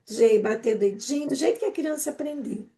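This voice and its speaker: Brazilian woman, teacher trainer on a live stream, brisk and animated, slightly high. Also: a little hiss or hum. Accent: Brazilian Portuguese. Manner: quick, animated explaining with frequent "né?" tags.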